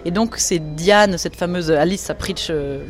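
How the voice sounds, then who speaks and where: A woman's voice: on the low side, measured pace. A middle-aged woman novelist speaking enthusiastically in a radio documentary interview, often restarting and repeating words. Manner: enthusiastic, with many restarts and repetitions. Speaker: novelist guest.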